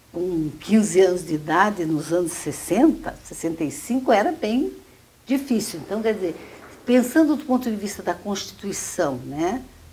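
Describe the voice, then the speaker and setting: Delivery comes at a moderate speed. Pitch jumps very widely from high to low. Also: woman, medium pitch for a woman. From Curitiba, southern Brazil. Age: 60s. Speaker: psychologist and professor, former activist. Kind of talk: oral history testimony interview. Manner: halting, many fillers.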